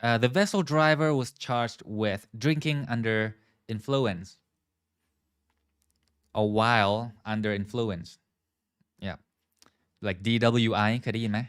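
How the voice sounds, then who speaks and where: A man's voice: medium pitch, very slow, pauses often, fairly bright tone, clean tone, no room sound, studio quality. A man teaching a live online English lesson, switching between English and Thai, drilling pronunciation and greeting viewers by name.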